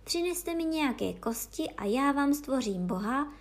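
A woman voicing God as a kindly, calm male creator who speaks gently. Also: sits high.

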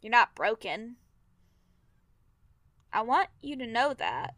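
A woman's voice: a little high, big pitch swings, slow pace, fairly bright tone, no echo, heavily acted. A woman acting in an audio drama as a young Fae companion, earnest and reassuring, speaking plainly and sincerely.

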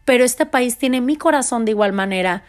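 A Mexican woman in her forties, a mother telling family stories to her viewers in a loud, expressive, casual way. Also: a little high, fairly quick.

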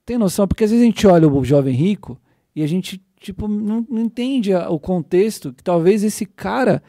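A man's voice: high voice, brisk, no echo, studio quality. A man hosting a casual faith podcast, telling a story with energy and acting out quotes. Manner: animated storytelling, acts out quotes. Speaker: podcast host.

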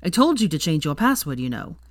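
A woman reading the lines of a young man who is a tired, blunt father, speaking in a low, muttered, weary way. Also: sing-song, a little fast, no echo, clean studio sound.

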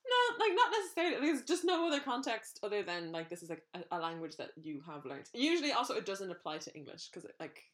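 A young half-French woman co-hosting a podcast, musing in animated casual chat. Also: mid-range voice, fast, few pauses. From Ireland and France. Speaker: podcast co-host.

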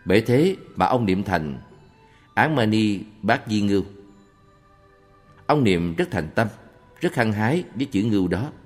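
Deep-voiced man reading Buddhist answers. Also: a little mellow. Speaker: reader of a monk's answers. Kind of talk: calm read-aloud Buddhist Q&A. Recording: long reverb with faint background music.

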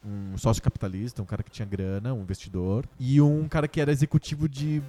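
A man from Brazil telling a story in a casual chat, animated and laughing often. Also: mid-range voice, quick pace, soft background music.

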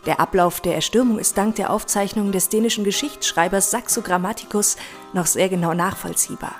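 A woman's voice: mid-range voice, fairly quick, faint music behind. A woman narrating a scripted history documentary in a composed, informative way.

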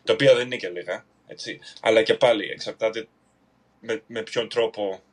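A man from Greece chatting casually on a podcast over a video call, hesitant and full of fillers and restarts. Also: on the low side. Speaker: podcast guest.

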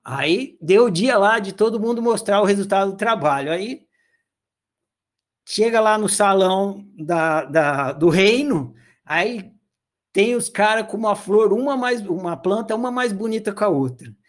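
A man's voice: high voice, animated, a little slow. A man, hosting a music talk show, telling a folk tale and commenting in a blunt, slangy way. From Brazil. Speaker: podcast host and music commentator. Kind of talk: storytelling and casual commentary.

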